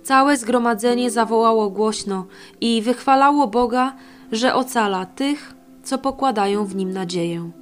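A woman reading a scripture passage in a calm, measured way. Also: on the high side, soft background music. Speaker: scripture reader.

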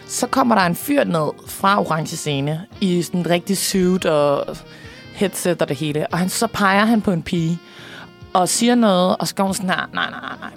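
A young woman from Denmark telling a story excitedly in casual chat, swearing and laughing often. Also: on the low side, faint music behind. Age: young adult.

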